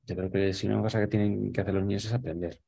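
Deep gravelly man on a video call. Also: flat delivery, quick pace, warm tone. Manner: thoughtful, explaining with many fillers and restarts. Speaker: guest. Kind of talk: casual conversation on a video call. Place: small room at home. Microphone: webcam on a video call.

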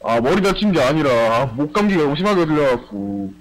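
Man, caller, deadpan joker, voice chat line. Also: a little high, brisk, crowd noise, rough recording. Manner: deadpan joking, claims a cold.

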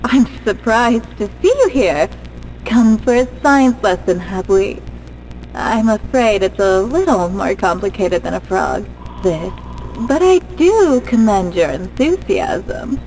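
A woman playing a composed, drily teasing chief scientist in an audio drama, measured and formal. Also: medium pitch, expressive, a little mellow, a little hiss or hum, poor audio. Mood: drily amused.

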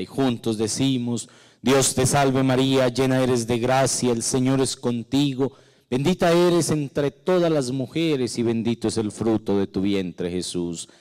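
A man's voice: medium pitch, a little mellow, clear, resonant tone. A middle-aged man, a Catholic priest, speaking prayers and blessings at Mass into a microphone in a chapel. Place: indoor chapel, at the altar. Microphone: handheld microphone.

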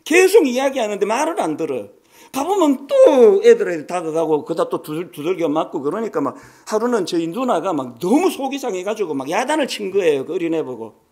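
A man in his sixties, a pastor, preaching a sermon in a conversational, animated way with many rhetorical questions. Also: high voice, fairly quick, slightly rough. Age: 60s.

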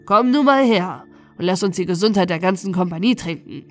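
A woman's voice: lowish voice, expressive, a little fast, soft background music, lightly acted. A woman voicing a sturdy, cheeky male butcher in a storybook, forthright and fond of proposing toasts. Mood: convivial, bold. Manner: forthright, convivial, declamatory. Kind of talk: storybook character voice in an audiobook.

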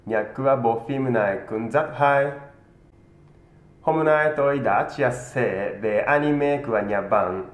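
A man in his thirties, a native Japanese speaker with a Japanese accent, presenting scripted phrases with careful enunciation. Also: medium pitch. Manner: careful, deliberate enunciation of a learned language. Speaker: presenter of a language channel. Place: indoor room with green screen. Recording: roomy, slightly dull, faint noise.

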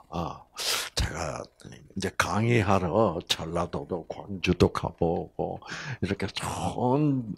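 A middle-aged man gives a folksy health lecture at an unhurried pace. His voice has a husky edge. He pauses often with fillers and slips in homely humor. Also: sits low, a bit bright. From Gyeongsang region, South Korea.

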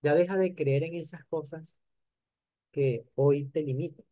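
An older man giving an animated motivational lecture, speaking straight to his audience. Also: a little high, a little slow, no echo. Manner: animated, addresses the audience directly. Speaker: conference speaker.

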